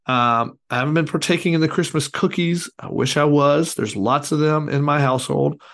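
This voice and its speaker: Hoarse man talking sports. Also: fairly high pitch, moderate pace, fairly bright tone. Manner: rambling, many fillers. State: hoarse, recovering lost voice. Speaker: podcast co-host. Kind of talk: casual sports podcast chat.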